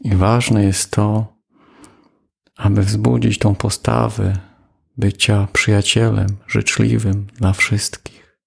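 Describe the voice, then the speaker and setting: Male meditation guide, very slow, heavy vocal fry, low husky voice. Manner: slow, calm, with long pauses. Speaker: meditation teacher.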